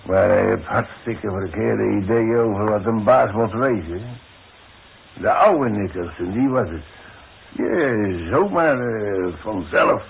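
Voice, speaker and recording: An actor playing an old retired demolition man in a 1960s radio play, wry and halting, with colloquial working-class speech. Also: lowish voice, creaky, slightly rough, heavily acted. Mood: reflective. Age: older. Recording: muffled, noisy 1960s radio recording.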